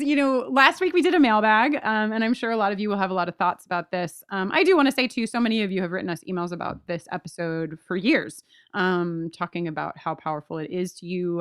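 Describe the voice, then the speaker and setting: A woman co-hosting a podcast in casual, reflective chat, with an earnest, halting, informal way of talking. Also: medium pitch, clear, resonant tone, no echo, clean studio sound. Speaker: podcast co-host.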